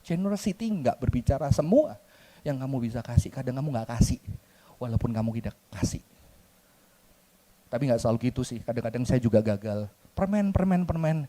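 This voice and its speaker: A man preaching a sermon in a church with a Jakarta accent, an animated, joking storyteller who mixes in slang and English words. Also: medium pitch, fairly quick, long pauses. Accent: Jakarta Indonesian.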